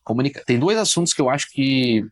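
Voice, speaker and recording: A man, a journalist guest, talking in a casual podcast interview, opinionated and emphatic, telling stories quickly. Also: medium pitch, lively intonation.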